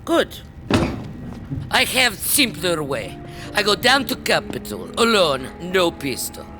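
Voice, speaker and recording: An actress playing a stern, unflappable older retired security officer in an audio drama, with formal, clipped, deadpan phrasing. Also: female voice, on the low side, slow pace, music in the background. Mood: calm, firm.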